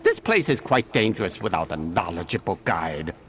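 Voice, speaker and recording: A man's voice: deep voice, sing-song, moderate pace, fairly bright tone, a little hiss or hum. An actor playing an eccentric, cheerful old male jeweler in a video game, stammering and chuckling as he talks. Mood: chuckling, eager. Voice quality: giggly, stammering, fussy.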